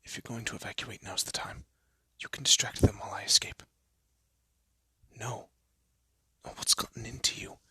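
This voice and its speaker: Man acting a breathy, haughty young elf prince. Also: fairly low pitch, fairly even intonation, moderate pace, pauses often, sharp tone, dry recording, in a whisper, heavily acted. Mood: urgent, curt. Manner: pompous, formal, flustered stammering. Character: haughty young male elf prince, prickly but secretly soft. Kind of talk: scripted roleplay audio drama, often whispered.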